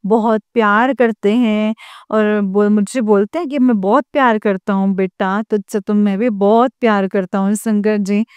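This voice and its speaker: A woman's voice: a little high, a little mellow, clean tone, no room sound, studio quality. A middle-aged woman giving an earnest, emotional devotional testimony and often addressing the congregation. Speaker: devotee sharing a satsang testimony.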